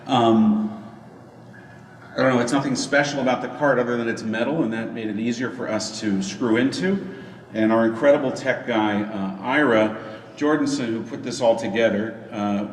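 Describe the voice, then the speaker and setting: A man casually walks through a demonstration on a live call. He is far from the microphone in a large hall, so his voice rings with heavy echo over clear background noise. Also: medium pitch. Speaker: guest presenter. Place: large indoor social hall. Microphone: conference camera microphone, away from the mouth. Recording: echoey hall from far off, noisy.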